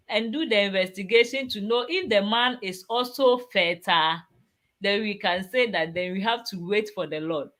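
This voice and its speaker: A woman speaking as a guest on a health panel, at a medium pitch. She explains things slowly and carefully, stopping often to fill pauses. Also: a bit bright. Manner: slow explanatory, with hesitant fillers. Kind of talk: panel discussion.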